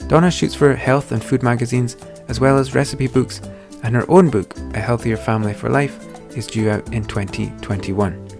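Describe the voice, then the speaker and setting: A man hosting a podcast, reading a friendly, measured introduction and asking interview questions. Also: medium pitch, steady tone, gravelly, over music. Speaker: podcast host.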